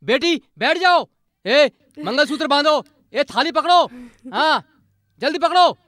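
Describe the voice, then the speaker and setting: A man's voice: extremely high pitch, animated, a little slow, bright, forceful tone, no room sound, clean studio sound, full character voice. A man dubbing a bossy village elder in a film, giving orders and scolding. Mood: commanding. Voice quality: commanding, scolding. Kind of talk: Hindi film dub acting.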